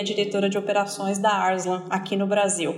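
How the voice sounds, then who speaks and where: Amid noticeable background noise and audible room echo, a woman with a medium pitch talks at a fairly quick pace. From Brazil, São Paulo (Zona Norte). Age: 30s. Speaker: security company director. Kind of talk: podcast interview.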